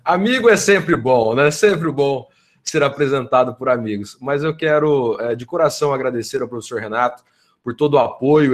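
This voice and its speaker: A man with a Brazilian Portuguese accent, a law professor, gives an informal, effusive address to students in an online meeting, often tagging his sentences with "né?", heard over a video call. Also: medium pitch. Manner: effusive, grateful, tags sentences with "né?". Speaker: law professor leading a research group.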